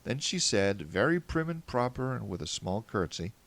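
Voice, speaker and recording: A man's voice: on the low side, sing-song, normal speed, a bit bright. A man narrating a first-person fan fiction story in a wry, earnest way.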